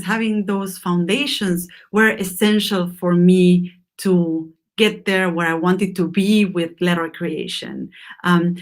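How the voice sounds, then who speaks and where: Argentine-born woman teaching a lettering class. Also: medium pitch. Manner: unscripted, many fillers and restarts. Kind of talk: class lecture.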